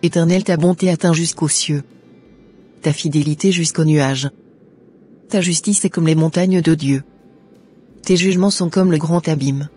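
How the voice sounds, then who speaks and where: A woman's voice: deep voice, moderate pace, long pauses, warm tone, husky, faint music behind. A woman voicing a devout, earnest young Christian woman in a cartoon, speaking in a pious way. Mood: prayerful. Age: young adult.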